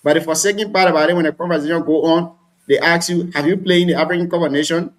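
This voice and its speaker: A man from Liberia, arguing politics as a panelist on a talk show, animated and argumentative, often repeating words as he starts a point. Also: a little high, quick pace.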